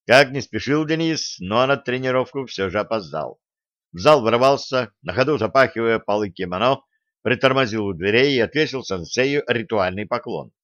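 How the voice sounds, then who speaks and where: A man reading an audiobook as narrator in a steady, even storytelling manner. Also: mid-range voice, dry recording, dull audio. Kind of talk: scripted narration.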